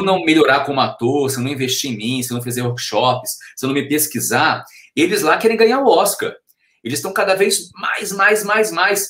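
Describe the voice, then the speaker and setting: Over a quiet background with audible room echo, a man speaks at a moderate pace with very wide pitch swings. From Rio de Janeiro, Brazil. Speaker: voice actor. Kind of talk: interview answer.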